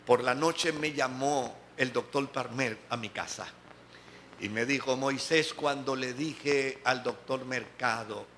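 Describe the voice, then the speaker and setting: At a church service, a pastor from the Dominican Republic with a Dominican Spanish accent gives a sermon as personal testimony, telling his story and acting out the voices of the people in it. His medium-pitched voice is slow and fairly bright, with a little hiss or hum.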